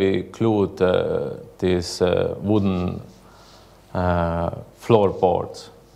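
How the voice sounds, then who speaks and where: A man with an Estonian accent at a very slow pace. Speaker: construction project manager. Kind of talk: conference presentation. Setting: stage with audience. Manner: halting. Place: hall.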